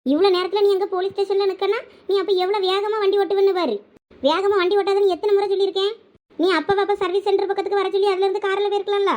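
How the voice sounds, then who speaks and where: A woman plays an exasperated cartoon village mother with an extremely high voice. She rattles through her complaints in a Thoothukudi Tamil accent, fretting and repeating herself as she scolds. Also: little pitch movement, very fast, a little mellow. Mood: worried, scolding. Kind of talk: cartoon village drama dialogue.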